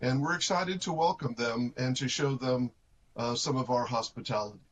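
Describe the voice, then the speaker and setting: A man speaking for a cathedral in a live interview, with a middle-pitched voice. He lays out plans in a calm, measured way, with the odd filler. A faint hiss sits behind him. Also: low-quality recording. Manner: measured and explanatory, with occasional fillers. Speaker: cathedral representative.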